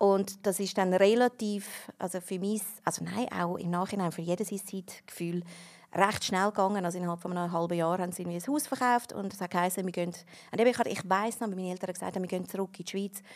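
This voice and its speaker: Using an ordinary speaking voice, a woman of medium pitch moves at a fairly quick pace with fairly even intonation. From California, then Zurich from age 12. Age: 40s. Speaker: beauty blogger. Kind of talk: casual interview chat.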